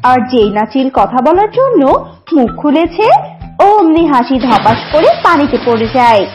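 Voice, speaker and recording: A woman's voice: high voice, big pitch swings, moderate pace, a little mellow, muffled recording. A woman narrating a children's cartoon as storyteller, scripted, with music behind.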